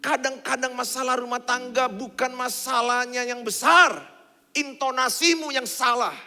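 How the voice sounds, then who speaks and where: A man's voice: extremely high pitch, normal speed, pushed and bright. A male pastor preaching a sermon and leading his congregation in call-and-response, in a large church hall. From Indonesia. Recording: long hall reverb, faint music behind.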